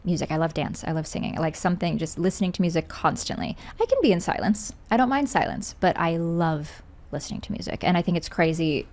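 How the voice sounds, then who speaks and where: A woman's voice: fairly low pitch, lively intonation, fast, darkish tone. A young woman chatting casually as a podcast guest, telling anecdotes in a giggly, talkative way full of "like". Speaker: podcast guest, voice actor and singer.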